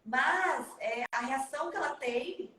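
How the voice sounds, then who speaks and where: A woman in her thirties with a Brazilian accent, giving parenting advice live over a video call, fast and emphatic. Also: sits high, sharp tone, heavy reverb, distant mic. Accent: Brazilian Portuguese. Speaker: parenting consultant.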